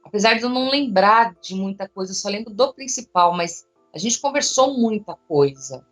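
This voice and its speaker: A young woman tells her own story in an interview, emotional and animated, with casual slang. Her voice sits at a middle pitch. Soft music plays faintly behind her. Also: moderate pace. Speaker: interviewee, psychic.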